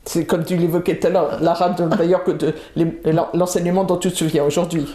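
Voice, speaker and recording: Woman interviewer, low-ish and mellow, echoey room; affirming, sentence-completing prompts. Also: little pitch movement, fast talker. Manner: frequent affirming murmurs, finishes the guest's sentences.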